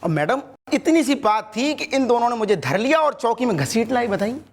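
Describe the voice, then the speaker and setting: A man's voice: very high voice, big pitch swings, a little fast, noisy background, full character voice. An actor playing a nosy oddball young man who stares at everything and is questioned at a police post, pleading in rhyming comic patter. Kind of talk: TV sitcom acting. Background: background music.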